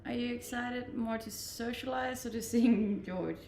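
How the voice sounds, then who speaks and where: A woman's voice: a little high, a little slow, vocal fry, reverberant, slight background noise. A woman in her twenties with a Danish accent, chatting casually and laughing as she reads viewer comments on her stream. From Denmark. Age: 20s. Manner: relaxed, chatty, laughs often. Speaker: livestreamer.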